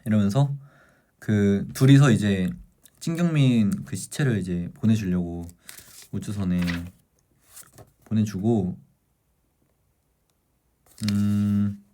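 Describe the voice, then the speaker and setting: This young livestream host has a lowish, warm voice and speaks slowly, leaving long pauses. Still, he chats animatedly as he recounts the plot of a book to his audience.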